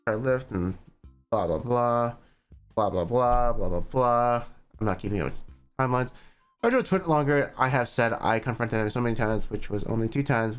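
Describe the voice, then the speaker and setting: A man with a mid-range voice reads a written statement aloud on a reaction stream, skipping chunks with "blah, blah." Every so often he stops to toss in a sarcastic remark between passages.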